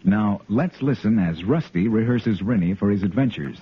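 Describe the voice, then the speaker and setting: A man announcing a 1950s radio show and reading its ad in a smooth, persuasive way. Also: lowish voice, lively intonation, normal speed, a little hiss or hum. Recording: dull old radio broadcast recording.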